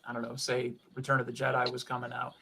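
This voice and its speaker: A man in his fifties tells stories in a dry, anecdotal way. His delivery stays flat and even, with little rise and fall in pitch. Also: quick pace, a little hiss or hum. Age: 50s. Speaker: podcast co-host. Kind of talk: casual storytelling chat.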